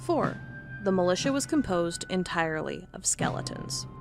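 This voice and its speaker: A woman's voice: on the low side, expressive, moderate pace, creaky, over music. A woman playing a wry, curious investigator who records a log and reads old case files in an audio drama. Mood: dry, official.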